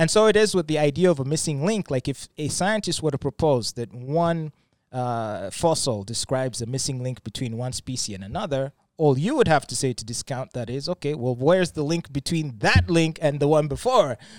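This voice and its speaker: Lively intonation marks an unremarkable speaking voice moving at a fairly quick pace, with a dry, close sound with no echo on a very clean recording with a silent background. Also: man, fairly high pitch for a man. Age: 40s. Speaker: radio broadcaster. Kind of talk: casual chat.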